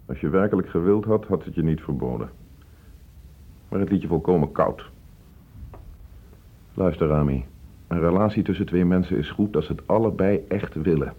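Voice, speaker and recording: Divorced father: low, rough-edged voice, reproachful and emotional radio-play delivery, muffled sound. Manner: reproachful, emotional, halting when upset. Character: frustrated divorced father pleading with his teenage son. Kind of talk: Dutch radio play acting. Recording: dull, muffled old radio play recording.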